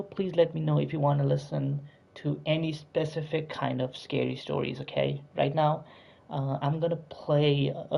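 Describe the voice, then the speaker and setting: A man with a sore throat chats on a live stream. His voice is gravelly with fry, and the sound is dull and lo-fi. He rambles with fillers and keeps begging viewers to subscribe. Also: a little high. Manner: chatty, pleading for likes and subscribers, many fillers. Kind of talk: casual live-stream chat.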